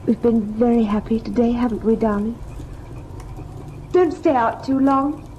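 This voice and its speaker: Casting: actress as affectionate weary young wife, mellow and unhurried, radio drama on dull old recording. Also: female voice, a little high, a little hiss or hum, lightly acted. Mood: tender, weary. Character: loving, tired young wife in a ghost drama.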